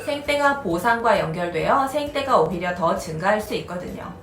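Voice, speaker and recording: A woman in her thirties calmly explaining parenting advice as the host of an educational video. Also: mid-range voice, moderate pace, slight background noise. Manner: calm, even, instructive. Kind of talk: scripted explanatory narration. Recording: roomy echoey recording.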